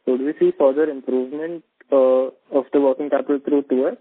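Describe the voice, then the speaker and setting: A man's voice: medium pitch, fairly even intonation, fast, no echo. A man, an analyst asking direct, polite questions on an earnings call. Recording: dry tinny phone line.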